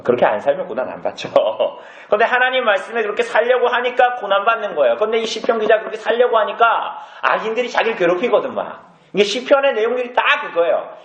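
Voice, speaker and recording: A man's voice: sits high, sing-song, quick pace, few pauses, a bit bright. Man preaching in an echoey church. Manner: conversational preaching, asks the congregation questions. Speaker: pastor. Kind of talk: sermon. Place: church hall. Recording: echoey, dull church recording.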